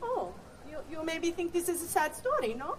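A woman's voice: very high voice, sing-song, normal speed, a little hiss or hum. An actress playing a kindly Italian Christmas gift-bringer woman, with an Italian accent and a lilting, theatrical way of talking to a live audience. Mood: warm, festive. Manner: lilting, theatrical, sprinkled with sighing "oh"s. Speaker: costumed holiday show performer.

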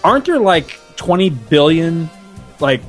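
A man's voice: on the high side, very animated, unhurried, soft background music. A man hosting a podcast in a chatty, slangy, casual style. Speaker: podcast host. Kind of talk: casual chat.

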